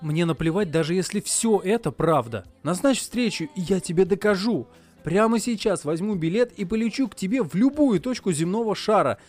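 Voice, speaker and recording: A young man narrating an audiobook in first person, voicing his own lines in expressive dialogue. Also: sits high, normal speed, soft background music. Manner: expressive, moving from quiet narration to heated outbursts.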